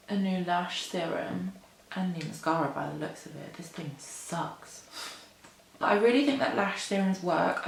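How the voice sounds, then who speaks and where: A woman's voice: on the low side, vocal fry, echoey room, a little hiss or hum, low-quality recording. A woman in her twenties, rambling casually to camera while doing her makeup at a mirror, full of "like" and "um" and self-deprecating asides. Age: 20s. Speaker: beauty vlogger. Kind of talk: chatty get-ready-with-me rambling. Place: indoor room at a mirror.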